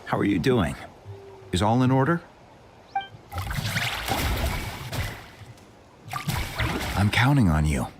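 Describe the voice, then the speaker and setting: Solemn, dignified tribal chief. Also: male voice, fairly low pitch, background noise. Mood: reassuring. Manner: formal, ceremonial. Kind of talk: anime video game voice acting.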